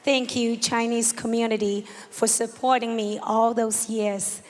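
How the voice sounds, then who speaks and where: A hoarse woman with a slightly raised voice keeps her thanks short and grateful. The words echo with a long reverb through a large banquet hall. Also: a little high, level tone, measured pace. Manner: brief, grateful. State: hoarse from a cold. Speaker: award recipient.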